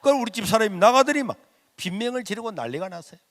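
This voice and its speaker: A middle-aged pastor tells a story from the pulpit, his raised voice ringing through a big reverberant hall. He acts out the exchanges, dropping to a near-hush and then climbing back up. It is animated sermon storytelling. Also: high voice, fast talker. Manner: animated storytelling, acts out dialogue with swings from loud to hushed.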